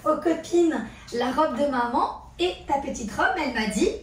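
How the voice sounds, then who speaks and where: A woman's voice: sits high, expressive, normal speed. A woman vlogging casually to camera, chatty and enthusiastic, gushing over what she shows. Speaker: lifestyle vlogger. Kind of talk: casual vlog chat to camera. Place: outdoors at a countryside ranch. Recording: roomy echo, faint ambient noise.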